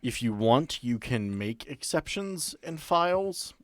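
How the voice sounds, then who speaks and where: A man acting as game master on a podcast, explaining and narrating off the cuff with halting sentences. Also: medium pitch, sing-song, dry recording, clean studio sound. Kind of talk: improvised narration and table chat for a tabletop game podcast.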